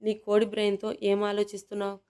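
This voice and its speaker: A woman's voice: medium pitch, monotone, quick pace, dark tone, clear, resonant tone, lightly acted. A woman voicing a curt, impatient young man. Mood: stern. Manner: stern, curt commands.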